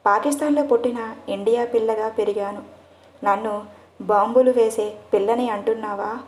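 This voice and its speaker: A woman's voice: on the high side, steady tone, normal speed, close to an everyday voice. A woman narrator voicing a playful, teasing young woman who speaks in theatrical, mock-dramatic lines. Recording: echoey room.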